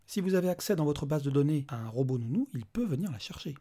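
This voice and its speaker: A man voicing a calm male robot official who speaks in an even, detached, bureaucratic way with a husky voice. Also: fairly high pitch, fast talker.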